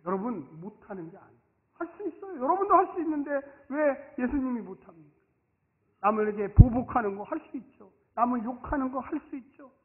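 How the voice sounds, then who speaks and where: A man's voice: extremely high pitch, lively intonation, fairly quick. A man preaching a sermon as pastor in a church sanctuary, emphatic and leading the congregation in repeat-after-me lines. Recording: tinny lo-fi sound in echoey church.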